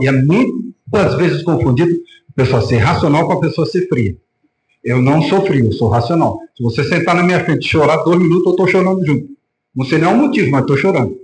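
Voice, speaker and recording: A Brazilian pastor in full preaching mode, his voice sitting a bit high for a man and carrying around a reverberant church room. He talks with energy and slips into the voices of the people he quotes. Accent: Brazilian Portuguese. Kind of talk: sermon. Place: church hall.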